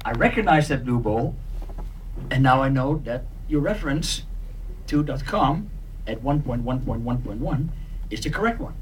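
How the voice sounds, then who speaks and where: A young man in an improvised educational role-play, speaking deliberately and with playful theatricality to an audience. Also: medium pitch, expressive. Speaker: participant acting in a staged demonstration. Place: conference meeting room. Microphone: handheld mic, picked up by far camera. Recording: distant, noisy room camera pickup.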